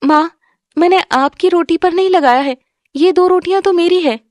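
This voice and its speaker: A woman voicing a gentle, pleading young stepdaughter in an animated story. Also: very high-pitched, moderate pace, dry recording, studio quality, voice pushed up. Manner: pleading, soft-spoken.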